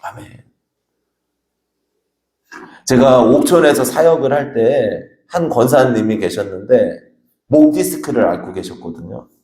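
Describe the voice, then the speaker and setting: A man's voice: medium pitch, darkish tone. A male pastor preaching a sermon in a church, emphatic and exhorting, mixing in folksy anecdotes. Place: church sanctuary. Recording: echoey church sanctuary.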